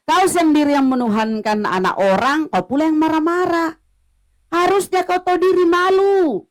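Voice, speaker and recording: A woman's voice: high-pitched, moderate pace. A woman arguing in a heated religious debate, mocking and confrontational, hammering the same points. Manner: mocking, confrontational, repetitive jabs.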